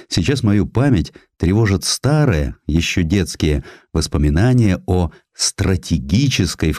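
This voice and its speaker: Deep-voiced male narrator, expressive storyteller. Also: dry recording, clean studio sound. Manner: expressive, measured storytelling delivery. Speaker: audiobook narrator. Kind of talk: scripted literary narration of a historical essay.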